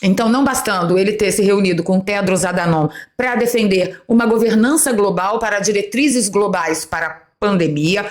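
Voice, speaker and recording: A woman in her fifties with a Brazilian Portuguese accent hosts an opinion commentary vlog, sarcastic and indignant, speaking straight to her viewers. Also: medium pitch. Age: 50s. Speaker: political commentary host.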